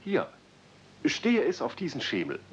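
An actor playing a dignified, good-natured manservant in a 1970s radio play, speaking formally with slight bemusement. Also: male voice, on the high side, huge pitch swings, unhurried. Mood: indulgent, explaining. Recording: dull, faintly noisy old cassette recording.

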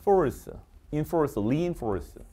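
A middle-aged man teaching English vocabulary in an online lecture, energetic and coaxing, firing quick questions at students. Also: a little high.

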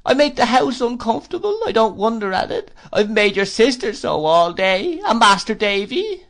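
A man's voice: high voice, big pitch swings, normal speed, vocal fry, a bit bright, voice pushed up, full character voice. A man reading aloud voices a tearful, self-pitying older widow who laments in a plaintive, wailing way. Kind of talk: audiobook character voice.

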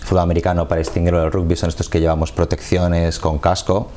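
A man, a football coach explaining his sport in a measured way during a TV studio interview on a lapel mic. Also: deep voice, completely flat delivery, mellow. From Madrid, Spain. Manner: measured, explanatory, gestures with hands.

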